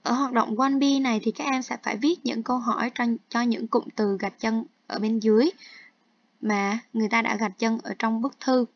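A woman's voice: a little high, fairly even intonation, normal speed, no room sound. A woman English teacher explaining textbook exercises step by step in an online lesson, mixing in English terms. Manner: explains each task step by step, switching between Vietnamese and English terms. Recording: dull, dry lo-fi recording.

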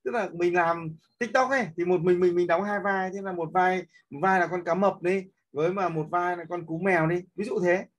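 Husky man teaching an app. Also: high-pitched, steady tone, moderate pace, few pauses, muffled recording. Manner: hesitant, many fillers and repeated checks. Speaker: instructor. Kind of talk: screen-recorded app tutorial.

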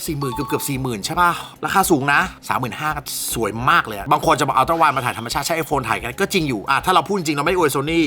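A young man chatting casually and excitedly as he reviews a camera lens, swearing now and then. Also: on the high side, fast talker, hardly any pauses. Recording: music bed under the voice.

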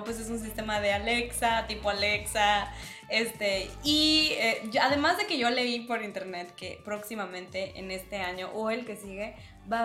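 Young mexican girl vlogger, chatty, bright high voice, roomy sound. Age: 20s. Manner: giggly, excitable, chatty. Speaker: vlogger, prankster. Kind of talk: animated casual vlog chat and phone prank. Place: small home kitchen, indoors. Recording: roomy kitchen echo.

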